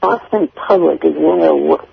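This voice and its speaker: Irritable male caller: highish, extremely gravelly fry, blunt and sweary, muffled noisy phone connection. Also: a little fast. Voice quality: hard to understand. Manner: blunt, irritable, foul-mouthed. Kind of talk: casual argumentative radio call. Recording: muffled, poor telephone connection with noise.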